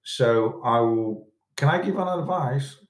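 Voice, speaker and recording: Recorded in an echoey London room, this casual interview features a guest from Poland, a film director and producer with a Polish accent. His medium-pitched voice is expressive, and he frequently stops, restarts, and speaks in broken grammar.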